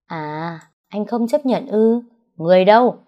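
A woman's voice: on the low side, normal speed, dull audio, lightly acted. Woman doing a cruel jealous young villainess. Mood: taunting. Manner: taunting, sneering.

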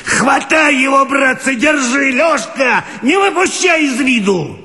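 A man doing a hoarse, yelling old watchman. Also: very high voice, lively intonation, unhurried, no room sound, pitched above the performer's own voice, full character voice. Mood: furious yelling. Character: hoarse shouting older male watchman, furious. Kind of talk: reading a story aloud.

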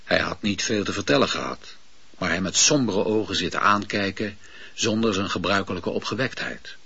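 A man with a low, husky voice tells the story in a calm, measured way, bright at the edges. The sound is dull and lo-fi, as in an old radio play. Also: no echo. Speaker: narrator. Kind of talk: scripted radio play narration.

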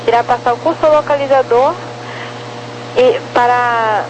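A woman's voice: on the high side, steady tone, measured pace. A Brazilian woman working as an air traffic controller, giving procedural instructions over the radio. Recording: dull radio channel with faint hum.

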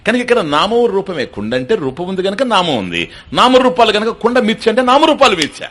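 A man's voice: high voice, big pitch swings, fairly quick, fairly bright tone. An older man giving a spiritual discourse, explaining step by step, often asking his listeners questions and slipping in English terms. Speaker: spiritual teacher. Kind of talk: Vedanta discourse to an audience.

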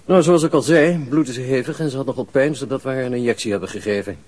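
An actor playing a frank, authoritative hospital doctor in a radio drama, formal, matter-of-fact and emphatic, with a husky voice. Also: male voice, medium pitch, quick pace, darkish tone, lightly acted. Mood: frank, grave.

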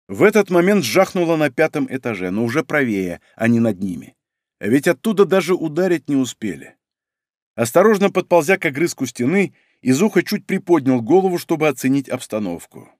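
A man narrating an action audiobook in a steady storytelling manner, with coarse slang mixed in. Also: mid-range voice, moderate pace, dry recording, studio quality.

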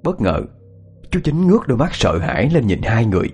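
A man narrating a ghost story in a measured tone. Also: medium pitch, very animated, darkish tone, slightly rough, faint music behind.

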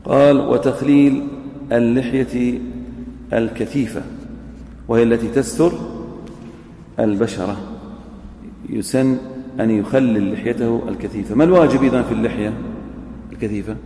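A man's voice: mid-range voice, normal speed, long pauses, dark tone. A man teaching a jurisprudence class. He reads a line from the text, repeats it, then quizzes his students. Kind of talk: classroom lecture on a legal text. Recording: echoey hall recording with faint ambience.

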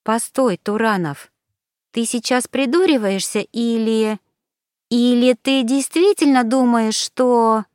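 A woman reader voicing a furious, sharp-tongued young woman who shouts and hisses her accusations. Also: slow pace, no echo, studio quality. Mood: outraged. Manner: shouting, hissing, high-pitched outbursts.

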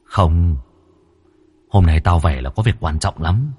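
A man's voice: sits low, lively intonation, takes it slowly, a little mellow, breathy edge, heavily acted. A man voicing the ghost of a dead old man who urgently pleads for help. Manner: urgent, insistent.

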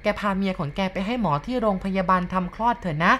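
A woman's voice: mid-range voice, quick pace, a bit bright, slight background noise, natural voice. A woman doing a blunt old village midwife. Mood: urgent.

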